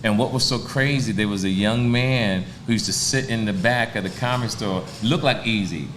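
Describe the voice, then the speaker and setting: Low-voiced man in his sixties, streetwise. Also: normal speed, fairly bright tone, a little hiss or hum. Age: 60s. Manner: laid-back, streetwise storyteller with profanity. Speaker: stand-up comedian guest. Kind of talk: casual interview storytelling.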